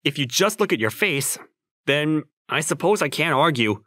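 A man's voice: on the high side, moderate pace, dry recording, studio quality. A man voicing a flustered, skeptical young office worker in a manga dub, sounding incredulous and given to inner narration. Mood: wistful musing. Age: young adult. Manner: exasperated, incredulous, animated.

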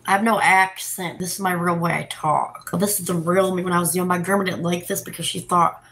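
A woman's voice: on the low side, steady tone, fairly quick, a bit bright. A woman in her thirties on a rambling live stream from a cluttered hotel room, sassy and defensive as she talks to her chat. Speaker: livestreaming vlogger. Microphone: phone camera close up.

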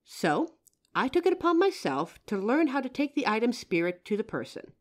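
A woman playing a friendly, curious psychic who helps out in a costume shop, chatting expressively to the listener in a roleplay audio drama. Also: on the high side. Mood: helpful, confiding. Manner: chatty, expressive, with pauses and soft laughs. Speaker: voice actor. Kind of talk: roleplay audio drama, one side of a chat addressed to the listener.

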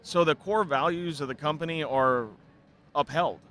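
A man in his thirties, a hairdresser guest, giving thoughtful, measured answers in a casual interview at a trade show booth, speaking into a close desk mic. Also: on the high side, a bit bright, slight background noise. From Spokane, Washington, United States. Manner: earnest, thoughtful, measured explanations. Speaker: hairdresser and product developer, guest. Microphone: desk mic on a stand, close.

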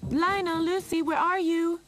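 Woman as a high-voiced, strict mother cat. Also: very animated, a little fast, over music, natural voice. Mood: anxious. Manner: stern, emphatic.

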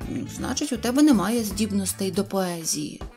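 A woman's voice: medium pitch, expressive, moderate pace, creaky, warm tone, faint music behind. A woman voicing a fussy little poet. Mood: exasperated. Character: fussy self-important tiny poet man.

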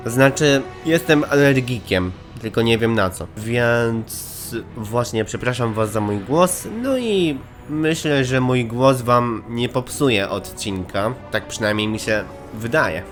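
A man narrating his gameplay in a chatty, easygoing way. His voice is stuffy and slightly hoarse from a cold, in an ordinary middle pitch. Game music plays clearly behind him. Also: slow pace, hardly any pauses. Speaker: gaming channel host. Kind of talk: let's play commentary.

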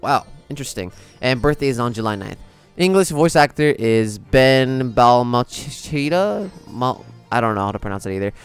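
A man's voice: mid-range voice, lively intonation, moderate pace, smooth, soft background music. A young man hosting a gaming reaction video, chatting casually in an informal, slangy way. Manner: informal, slangy, easily amused.

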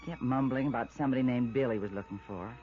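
A woman's voice: rumbling low, quick pace, slight background noise. An American actress playing a wealthy, glamorous young woman, coy and evasive, in 1950s radio drama style. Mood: earnest, defensive. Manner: coy, teasing, languid. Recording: dull vintage radio recording, faint music.

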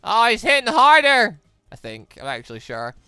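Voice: mid-range voice, huge pitch swings, normal speed, pushed and bright, clear, resonant tone, no echo. A gaming host giving rambling commentary while playing, thinking aloud from move to move. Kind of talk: excitable let's play commentary and dialogue read-aloud. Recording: dry close voice over game music. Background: game music.

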